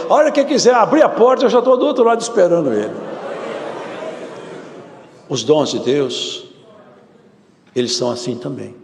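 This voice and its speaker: Middle-aged male preacher, high and gravelly, fervent sermon delivery in an echoey church hall. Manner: fervent, swings from shouting highs to low murmurs; acts out quoted dialogue in his story.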